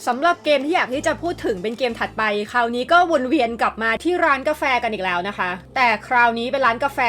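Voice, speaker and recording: A woman hosting a video list in an upbeat scripted narration, addressing viewers in a polite, friendly way. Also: on the high side. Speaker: video host presenting a game list. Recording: music behind the voice. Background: background music.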